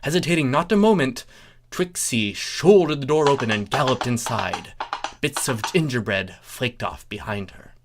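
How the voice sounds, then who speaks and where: A performer reading a comic fan fiction story aloud as an expressive narrator. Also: mid-range voice, moderate pace, music in the background. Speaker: story reader.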